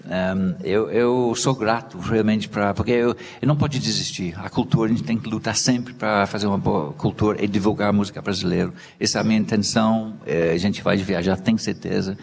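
A British cellist with an English accent, speaking non-native Portuguese haltingly, with many restarts as he searches for words. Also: fairly low pitch, fairly even intonation, vocal fry, a little mellow. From Britain. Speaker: cellist and festival organizer. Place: theater stage. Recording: reverberant hall with light noise.

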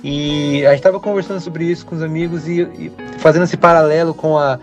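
A young man, a guitarist talking in a relaxed, rambling way as an interview guest. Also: a little high, a little fast, lo-fi sound, soft background music. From Brazil. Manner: relaxed, rambling, many fillers like "né". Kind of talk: casual interview chat.

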